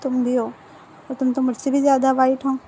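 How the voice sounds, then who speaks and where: A woman's voice: high voice, little pitch movement, moderate pace, warm tone, slight background noise, lightly acted. A woman voicing a shy, easily flustered young man who stammers bashfully.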